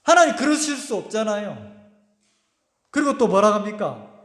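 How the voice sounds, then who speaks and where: A man's voice: high voice, sing-song, normal speed, fairly bright tone. A male pastor preaching a sermon emphatically, firing rhetorical questions at the congregation. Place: church sanctuary. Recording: echoey church hall with long reverb.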